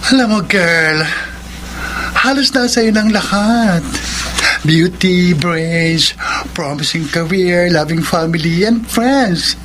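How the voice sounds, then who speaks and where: A man's voice: high-pitched, slow, a bit bright, a little hiss or hum. An actor playing a campy, playful gay best friend in a Filipino radio drama, a young man with a Filipino accent and an exclamatory manner. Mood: teasing. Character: flamboyant, teasing, openly gay male best friend, young adult.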